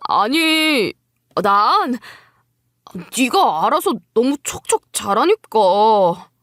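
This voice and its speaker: A woman's voice: on the high side, sing-song, extremely slow, fairly bright tone, no echo, clean studio sound, exaggerated voice. A woman voicing a callous, defensive husband in a dramatised story, with a dismissive way of talking.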